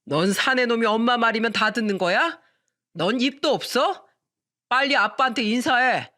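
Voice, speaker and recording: A woman reading a radio story, voicing a drunk, domineering middle-aged husband who yells at his family. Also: fairly high pitch, lively intonation, moderate pace. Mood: drunk, bossy. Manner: slurred, domineering yelling.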